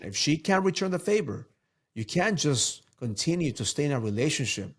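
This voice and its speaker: A man's voice: medium pitch, husky. A man talking as a guest coach in a casual interview, emphatic and preachy, often repeating words for stress.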